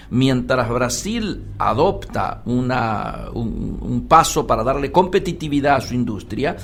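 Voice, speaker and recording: A man hosting a radio talk show, speaking in a measured way and pausing often on "eh". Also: a little high, fairly bright tone. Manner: measured, thinks aloud with frequent "eh". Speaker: radio host.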